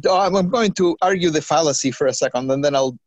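A trans woman talking as a podcast guest, animated, with quick restarts and acted-out quotes. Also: low voice, no room sound, lo-fi sound. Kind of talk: conversational interview.

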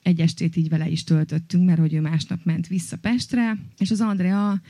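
Woman rambling thru her story w/ lots of fillers, mellow voice, dry sound. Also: lowish voice, steady tone, no echo. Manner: chatty, many fillers and hesitations. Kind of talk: personal story told on stage.

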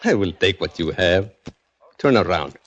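Deep-voiced Mexican knife killer, matter-of-fact and menacing, lo-fi radio sound. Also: male voice, expressive, normal speed. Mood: calm menace. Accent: Mexican Spanish. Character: grinning Mexican hired knife killer, calm. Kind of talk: 1940s radio drama acting. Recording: dull lo-fi old radio recording.

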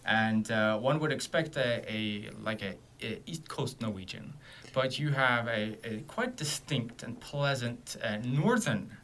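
A man's voice: mid-range voice, lively intonation, measured pace, a bit bright, a little hiss or hum. A Norwegian man co-hosting a podcast, playful and joking, often stumbling over his words. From Norway. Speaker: podcast co-host. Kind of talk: casual podcast chat.

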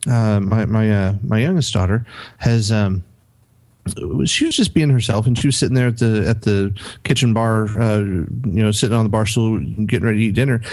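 A man's voice: on the low side, fairly quick, darkish tone. A middle-aged man on a podcast, casually telling a story with many restarts and acted-out quotes. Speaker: podcast co-host.

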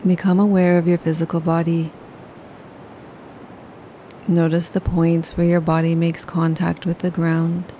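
Female meditation guide, low flat calm delivery, warm dark tone. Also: slight background noise. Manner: slow, soothing, unhurried. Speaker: yoga nidra guide.

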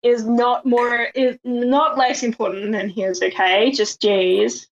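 A woman's voice: a little high, level tone, slow, slight background noise. A woman talking in a wry, self-mocking way as a guest in a casual live chat. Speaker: guest panelist. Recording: dull lo-fi audio.

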